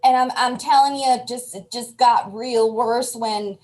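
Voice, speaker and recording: A worn-out leprechaun grumbles about her job in a fairly high, unhurried voice, played by a woman on an improv stage. She talks in folksy complaints, as if the whole gig is beneath her. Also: fairly even intonation, a little mellow, natural voice, low-quality recording. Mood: grumbling. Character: weary grumbling female leprechaun. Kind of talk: improv comedy scene. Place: theater stage.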